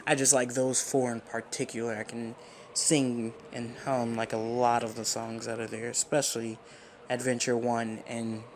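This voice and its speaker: A man's voice: medium pitch, flat delivery, normal speed, slight background noise. A young man giving casual, slangy, rambling game commentary as the host of a gaming video. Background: video game music.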